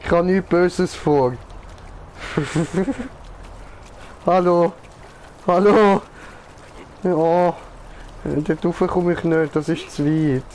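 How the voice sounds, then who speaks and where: A man's voice: a little high, fairly even intonation, slow pace, pauses often, warm tone, a little hiss or hum. A man streaming a game, chatting casually, joking and often laughing. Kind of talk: casual gaming chat.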